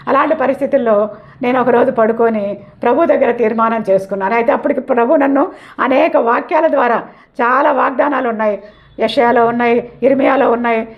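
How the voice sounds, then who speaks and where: An older woman with a fairly high voice tells her faith testimony in an earnest, repetitive way. The recording sounds dull and lo-fi. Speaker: church member giving testimony.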